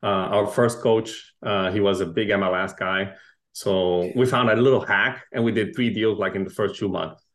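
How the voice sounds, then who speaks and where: A man from Chile, a guest speaking earnestly and a little haltingly. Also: on the low side, fairly even intonation, poor audio. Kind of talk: casual interview chat.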